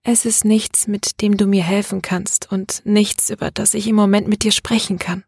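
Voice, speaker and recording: A woman's voice: mid-range voice, level tone, moderate pace, vocal fry, darkish tone, breathy edge, no room sound, clean studio sound. A woman reading the part of a troubled, tense young woman who talks in an earnest, hesitant way. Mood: pleading.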